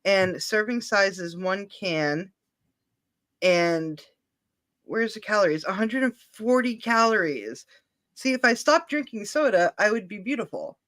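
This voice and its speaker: A chatty woman in her thirties talks loosely and jokes about herself, cursing without a second thought. Her voice sits at an ordinary middle pitch. She sounds like a co-host tossing remarks around on a casual stream. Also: lively intonation, a little slow, fairly bright tone. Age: 30s. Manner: chatty, self-mocking, swears freely. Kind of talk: casual chat.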